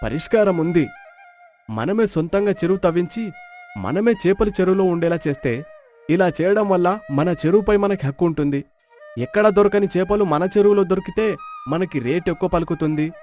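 A clever, outspoken village fisherman in a story drama, played by a man. His voice is high for a man and declamatory as he explains. Soft flute music runs underneath. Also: lively intonation, normal speed. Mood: earnest, advising. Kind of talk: dramatized moral story acting.

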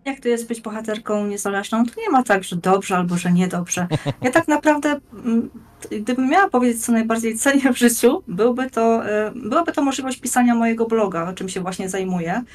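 A woman in her thirties speaking as a guest, explaining things in a measured, articulate and rather formal way. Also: fairly high pitch. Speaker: guest, blogger and game master. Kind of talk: conversational explanatory presentation. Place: plain room indoors, on video call.

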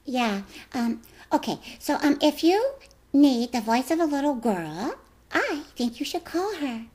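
An innocent little girl. She is shy and blunt, with a very high, hesitant voice. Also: big pitch swings, a little slow, darkish tone.

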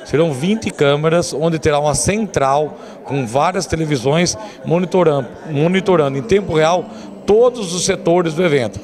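A man's voice: fairly high pitch, moderate pace, a crowd in the background. A man in his forties with a Brazilian accent, a rodeo organiser answering questions in a TV interview. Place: indoor lobby. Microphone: handheld interview microphone. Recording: people audible in the background.

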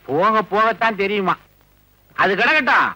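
A scolding, sarcastic father; bright, high tone. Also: animated, moderate pace, dry recording, heavily acted, low-quality recording. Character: grumbling suspicious father, sarcastic. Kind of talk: 1980s Tamil film comedy.

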